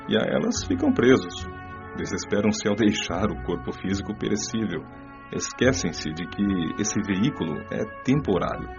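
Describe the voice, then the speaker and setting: A man playing a patient, wise male spirit mentor who explains things in a calm, preaching tone. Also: deep voice, lo-fi sound. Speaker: teacher figure. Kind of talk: radio drama acting.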